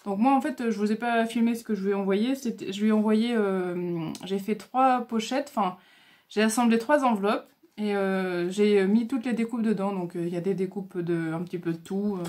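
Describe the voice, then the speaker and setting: A woman's voice: medium pitch, darkish tone, a little hiss or hum. A woman vlogger casually showing crafts she received by mail, talking hesitantly with many fillers and stumbling over her words.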